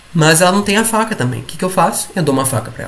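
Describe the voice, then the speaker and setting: An animated male voice with ordinary pitch variation, amid noticeable background noise and audible room echo. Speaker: law professor. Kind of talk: lecture. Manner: fast; casual, animated.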